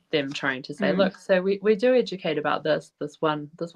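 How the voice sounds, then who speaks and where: At a moderate pace, this woman talks with ordinary variation in her pitch. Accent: New Zealand. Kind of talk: interview answer.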